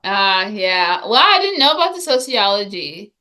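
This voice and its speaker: A woman's voice: medium pitch, very animated, moderate pace, bright, forceful tone. Casual, informal woman host. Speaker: podcast host interviewing a guest. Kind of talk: casual chat.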